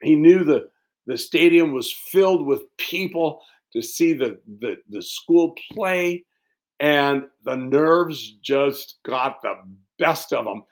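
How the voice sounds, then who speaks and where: Slow, deliberate male preacher. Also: a little high, animated, poor audio. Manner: slow, deliberate preaching with emphatic lists and quiet drops. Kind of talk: Easter sermon.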